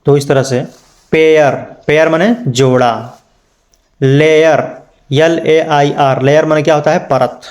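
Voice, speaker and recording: A man's voice: a little high, fairly even intonation, takes it slowly, darkish tone. A man teaching an English pronunciation lesson, spelling words out letter by letter and asking his students questions. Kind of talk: spoken lesson.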